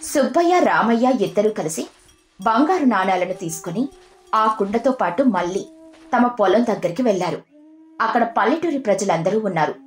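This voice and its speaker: A woman narrates a scripted story at a middling pitch. Her voice rings with roomy echo, and music plays quietly beneath it. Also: animated, moderate pace.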